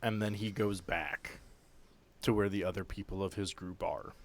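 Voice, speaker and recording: A man's voice: low-pitched, fairly even intonation, moderate pace. A man acting as game master, improvising narration and guiding players through a tabletop game.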